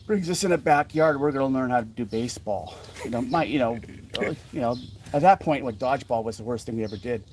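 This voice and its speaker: A man's voice: medium pitch, quick pace, noisy background. A man co-hosting a podcast, telling a story from his childhood in a rambling, self-correcting way. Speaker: podcast co-host. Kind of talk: casual storytelling.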